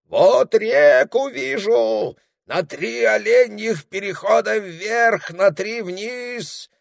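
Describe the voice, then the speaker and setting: A frenzied old shaman howls and chants in a trance, his voice pushed high and drawn out. Gravelly and hoarse, the cries swing wildly up and down, in a dry, close sound. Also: animated, extremely slow, no echo, heavily acted. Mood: visionary.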